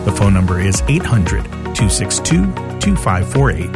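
A man reading a sponsor message in a polished, lively announcer manner. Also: on the low side, normal speed, over loud music.

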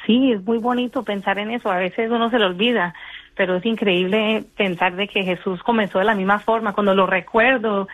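A woman's voice: medium pitch, steady tone, fairly quick, poor audio. A woman in her thirties with a slight Colombian accent, a guest in a friendly radio chat who often hesitates with fillers. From United States.

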